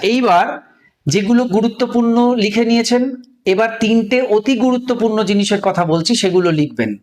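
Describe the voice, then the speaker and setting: A man giving a spiritual lesson, patiently spelling out words and repeating them, talking straight to viewers. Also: sits high. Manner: colloquial, addresses viewers directly. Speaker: spiritual teacher. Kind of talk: instructional talk.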